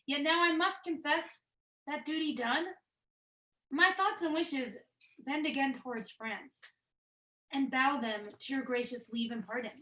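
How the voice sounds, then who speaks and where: Dutiful young courtier voiced by a woman, high and bright, polite verse, echoey distant recording. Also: a little slow, long pauses. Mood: deferential. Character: dutiful young courtier son asking leave. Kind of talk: livestreamed Shakespeare dramatic reading. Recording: echoey room, far from mic.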